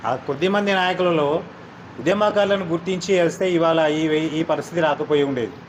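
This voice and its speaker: A man's voice: a little high, fast, slight background noise. A man, an activist assertively arguing political points in an interview. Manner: assertive, argumentative.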